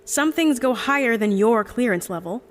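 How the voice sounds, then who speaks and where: Woman acting a cool, haughty high-pitched heiress. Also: expressive, normal speed, slight background noise, lightly acted. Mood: haughty, composed. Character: cool, bluffing young corporate heiress turned thief. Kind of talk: audio drama acting.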